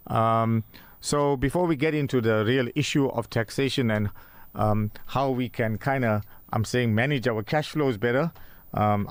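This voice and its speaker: A man's voice: mid-range voice, no room sound. A man from South Africa hosting a radio interview in a studio, talking casually with many fillers and restarts. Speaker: radio show host.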